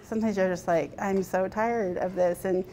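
A woman's voice: mid-range voice, fairly even intonation, normal speed, dark tone, rough recording. A woman in her thirties, a restaurant owner, talking candidly in a news interview in her dining room, retelling events. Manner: candid, conversational, tells events with quoted speech.

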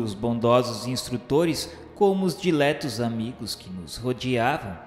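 A Brazilian man playing the remorseful spirit of a suicide, narrating his suffering in solemn, formal radio-novel declamation. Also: medium pitch. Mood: sorrowful, remorseful. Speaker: narrator character in a radio drama. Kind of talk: dramatic first-person narration of a religious radio novel. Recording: echoey long reverb with music behind. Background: music.

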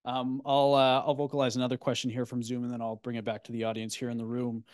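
A man in his thirties moderating a talk, passing on questions with a handheld mic, plain and halting. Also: mid-range voice, completely flat delivery, a little mellow. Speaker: event moderator. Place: meeting room.

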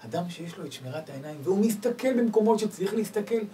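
A man delivering a storytelling sermon as a rabbi, swinging from loud exclamations to hushed asides. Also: sits high, expressive. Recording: distant mic, faint background noise.

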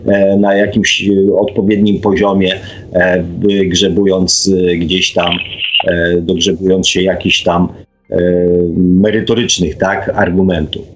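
A man's voice: sits low, little pitch movement, unhurried, slight background noise, low-quality recording. A man hosting an unscripted discussion, speaking hesitantly and reflectively, with frequent tag questions. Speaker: radio show host.

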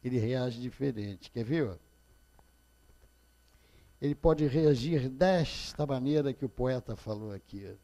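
A man's voice: mid-range voice, lively intonation, measured pace, long pauses, dark tone. An older man from Brazil with a Rio de Janeiro Portuguese accent, giving a public talk at a spiritist center and telling stories, often repeating key phrases and asking the audience questions, recorded by a far camera in a small indoor hall.

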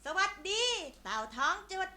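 A woman's voice: normal speed, bright, forceful tone. A woman voicing a friendly, industrious little ant in a children's story, speaking plainly with a chiding streak. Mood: friendly, inviting.

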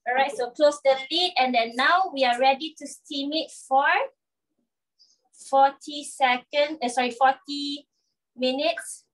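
High-pitched Malaysian woman presenting, a bit distant. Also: fairly even intonation, unhurried. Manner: instructional, frequent checking "okay?" and "all right?" tags. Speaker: cooking show presenter demonstrating a kitchen appliance. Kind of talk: informal live cooking demonstration. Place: covered outdoor patio beside a garden. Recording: voice picked up from a distance.

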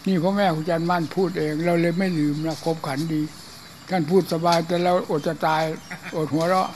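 An elderly monk gives a loose, chatty dharma talk, slipping into acted voices for his funny stories. His voice sits high for a man, with a faint hiss of noise under it. He is hard of hearing. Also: steady tone, fairly quick, darkish tone. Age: older. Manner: chatty and humorous, acts out voices in anecdotes. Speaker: Buddhist monk. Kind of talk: informal dharma talk and storytelling.

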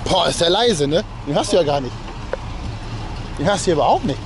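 A man's voice: a little high, expressive, brisk. A young man, chatting casually to the camera as a car vlogger, first while driving and then walking around a rainy car meet. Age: young adult. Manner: chatty, frequent tag questions "ne?". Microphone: handheld camera at arm's length. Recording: clear road and street noise behind.

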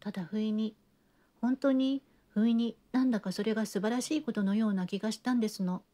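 A woman's voice: a little high, a little fast, warm tone, close to an everyday voice. A woman voicing a gushing, genteel chatterbox lady. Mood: gossiping. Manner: gushing, breathless chatter with refined feminine endings. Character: chattering, theatrical genteel lady, middle-aged. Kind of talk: audiobook reading of a classic novel.

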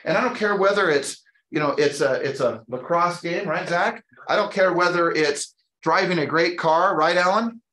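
A man's voice: high voice, moderate pace, sharp tone. Emphatic American man, echoey room. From Utah, United States. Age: middle-aged. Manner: emphatic, conversational, peppered with rhetorical questions. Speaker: real estate sales trainer. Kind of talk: motivational training talk. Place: indoor training room with whiteboards.

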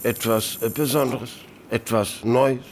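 An actor playing a grave, methodical police detective in an audio drama, speaking deliberately with dry irony and pauses. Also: male voice, mid-range voice, steady tone, slight background noise, lightly acted. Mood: probing. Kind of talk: German radio play dialogue.

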